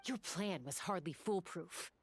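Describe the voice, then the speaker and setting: Cool, defiant warrior heroine. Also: female voice, fairly low pitch, measured pace, slightly rough. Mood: firm, reproachful. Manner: firm, dry, challenging. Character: principled, defiant young female warrior, cool and protective. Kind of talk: dramatic video game voice acting.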